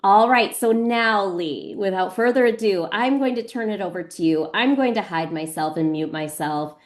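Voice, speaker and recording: A woman's voice: medium pitch, normal speed. A woman hosting an online book launch, upbeat and welcoming as she hands over to the author. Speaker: event host. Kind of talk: introducing a guest.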